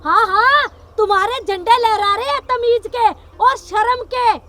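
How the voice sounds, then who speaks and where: Actress as an older rural headwoman mother-in-law, domineering and scolding, very high-pitched. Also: measured pace, pushed and bright, slight background noise, heavily acted.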